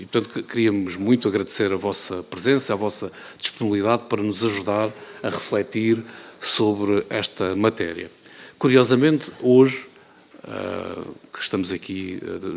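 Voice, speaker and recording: A middle-aged man from the Algarve with a European Portuguese accent, giving a formal address at a parliamentary hearing, measured and full of hesitations. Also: on the low side, vocal fry, a little mellow, in a large hall. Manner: measured, with many filler "eh"s and restarts. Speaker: member of parliament chairing a hearing. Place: parliament committee room.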